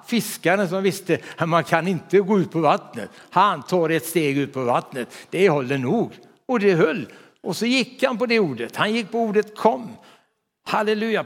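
Fervent preacher man in a reverberant hall. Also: fairly high pitch. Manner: fervent, often breaks into hallelujahs. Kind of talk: sermon.

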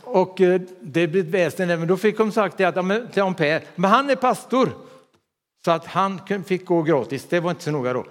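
A man's voice: high voice, lively intonation. A man preaching a sermon with fervor, often breaking into hallelujahs. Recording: long hall reverb.

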